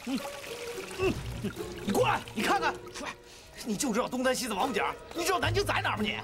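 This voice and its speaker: An actor playing a hot-headed young patriot in a period TV drama, talking earnestly and indignantly. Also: male voice, very high voice, very animated, quick pace, exaggerated voice. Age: young adult. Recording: drama soundtrack with music behind.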